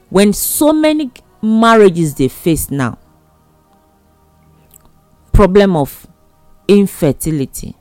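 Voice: mid-range voice, a little mellow, no room sound. A speaker with a Nigerian accent giving admonishing advice in Nigerian Pidgin, in an emphatic, repetitive, exhorting way.

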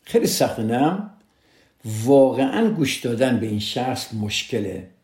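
In a roomy-sounding recording, a male radio host with a mid-range, darkish voice and big swings in pitch gives relationship advice. The talk is casual, like a podcast, as he speaks earnestly and straight to his audience, circling back to key points.

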